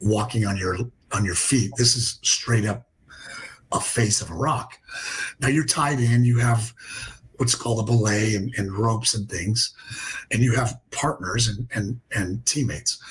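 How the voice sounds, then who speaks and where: A man's somewhat breathy, medium-pitched voice at a moderate pace, with ordinary pitch variation and long, frequent pauses. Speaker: business coach and entrepreneur. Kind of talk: interview.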